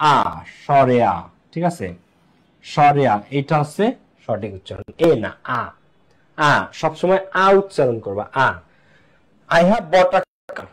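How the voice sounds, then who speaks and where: A man's voice: a little high, a little mellow. Man teaching an English class. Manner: asks and answers his own questions, repeats key points; slows down to spell out English examples. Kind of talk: online class lecture.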